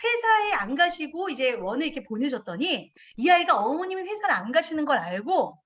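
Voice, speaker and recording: A woman's voice: high-pitched, sing-song, brisk. A middle-aged woman, a kindergarten director, giving a parent education lecture and acting out children and parents in quoted voices.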